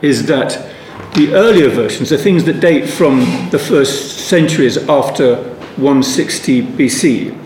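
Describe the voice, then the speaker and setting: A man's voice: mid-range voice, measured pace, hardly any pauses, darkish tone. A man giving an unscripted Bible study talk, rambling thoughtfully with many restarts and asides. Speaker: Bible teacher. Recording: echoey room with faint ambient noise.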